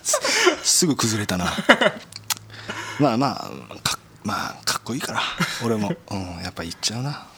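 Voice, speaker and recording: A man's voice: lowish voice, animated, normal speed, sharp tone, a little hiss or hum. A man hosting a podcast in casual chat, joking and mocking himself. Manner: joking, self-mocking, laughs often. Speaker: podcast host.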